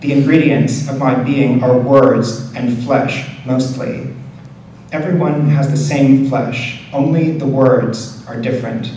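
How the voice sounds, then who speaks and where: A man reading poetry aloud as a poet, in a measured, deliberate delivery with pauses between short phrases. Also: medium pitch, steady tone, dark tone. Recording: very echoey room, distant mic, faint noise.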